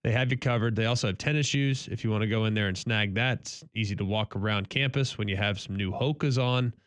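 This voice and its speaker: A man's voice: on the low side, fast, dry recording. Laid-back male radio co-host, dry studio. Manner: self-deprecating, laughing banter. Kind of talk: sports radio talk and live ad read. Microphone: studio microphone.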